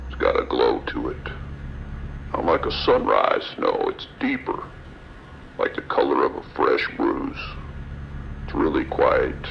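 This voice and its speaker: A man playing an eerie, morbidly fascinated trucker in a horror audio drama, savoring each phrase with slow, unhinged calm over a muffled CB radio. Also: very deep voice, vocal fry, full character voice. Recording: muffled CB radio with faint noise.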